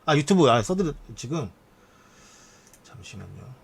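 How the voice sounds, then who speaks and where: A man's voice: mid-range voice, sing-song, measured pace, vocal fry, husky. A man streamer reading news articles aloud on a live stream and adding frank asides to his chat.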